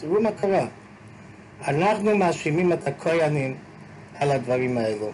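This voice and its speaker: With audible room echo, a man speaks with very wide pitch swings, very even loudness and long, frequent pauses. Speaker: rabbi lecturer. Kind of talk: Torah lecture.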